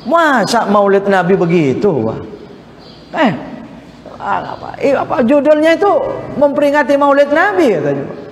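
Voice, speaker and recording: A man preaching a dawn sermon in a mosque, from Indonesia, chatting with the congregation and asking for their agreement, his voice jumping between high emphatic bursts and low murmurs. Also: big pitch swings, moderate pace, pauses often, slight background noise. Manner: conversational, often asks the congregation for agreement. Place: mosque hall. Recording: echoey mosque hall.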